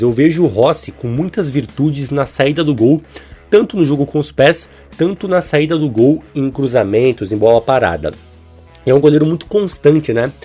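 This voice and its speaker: A Brazilian man hosts a football comparison in a conversational, opinionated style. His voice is husky and rough, thick with a blocked nose and a swollen sore throat from flu. His pitch is average for a man, and music plays softly behind him. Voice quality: congested, stuffy-nosed, husky. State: sick with flu, stuffy nose, inflamed throat. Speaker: football video host. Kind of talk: football commentary, player-by-player comparison. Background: music under the voice.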